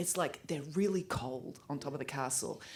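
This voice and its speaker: Her voice is somewhat breathy, with lively intonation. The woman speaks in an Australian accent. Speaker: children's author. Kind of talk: panel discussion. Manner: fast.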